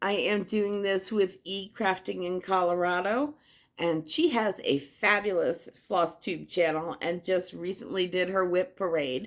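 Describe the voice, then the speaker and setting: In a very clean recording with a silent background, a woman with a plain, everyday voice and a medium pitch speaks at a fairly slow pace with ordinary pitch variation. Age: 50s. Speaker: cross stitch vlogger. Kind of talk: casual chat.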